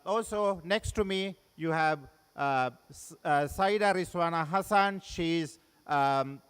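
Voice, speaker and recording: Halting Sri man in a hall. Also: a little high, smooth. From Sri Lanka. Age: middle-aged. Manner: halting, repeats and restarts phrases. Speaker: panel moderator. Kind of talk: opening remarks at a panel. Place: large conference hall. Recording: long reverb of a conference hall.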